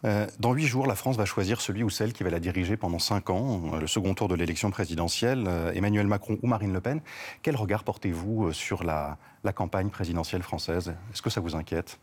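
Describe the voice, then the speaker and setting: A man's voice: low-pitched, a little fast, slightly rough. A man interviewing a guest, asking long, winding questions full of fillers. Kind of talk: broadcast interview.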